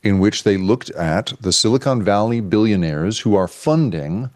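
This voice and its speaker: A man, a guest journalist, telling a story in a casual interview, animated and halting with restarts and fillers. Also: fairly low pitch, dry recording, studio quality.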